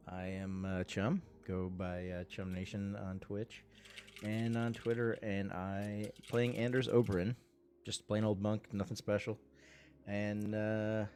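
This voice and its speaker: A low-key man introduces himself as a tabletop game player in a deadpan, halting mumble. His voice sits low, with faint music underneath.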